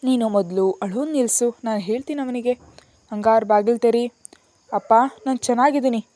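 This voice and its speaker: A furious, domineering father of the household, as a woman reading the tale puts him on, barking his commands. The voice stays mellow and warm underneath, a storyteller's take on a stern patriarch. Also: on the high side, normal speed, no room sound, pitched above the performer's own voice, natural voice. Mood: commanding. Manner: commanding and harsh.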